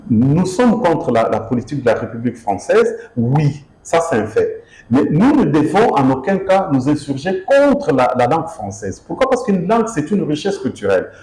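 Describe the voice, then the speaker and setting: Recorded in a reverberant space with poor audio quality, an author from Kinshasa in DR Congo responds to interview questions. His voice is a little high and his speed normal. He's expressive and emphatic, with lots of fillers, restarts and repetition.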